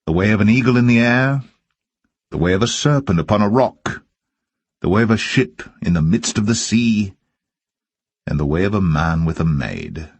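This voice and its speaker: A man reading scripture aloud as solemn narration, with measured and deliberate phrasing. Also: on the low side, sing-song, husky, dry recording. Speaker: Bible reader.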